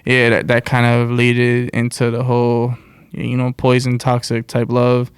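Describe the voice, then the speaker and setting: American man, gravelly, even-toned. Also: medium pitch, unhurried, no echo, studio quality. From United States. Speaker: interview guest, musician and producer. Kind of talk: casual chat, slangy.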